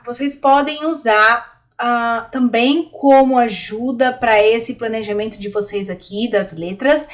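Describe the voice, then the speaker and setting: A Brazilian woman teacher with a high, light voice walks fellow teachers through her literacy methods. She is middle-aged and speaks in an explanatory way, turning to the listener often to make sure they follow. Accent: Brazilian Portuguese. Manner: explanatory, addresses teachers directly, frequent "tá?" check-ins. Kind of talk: online teaching video.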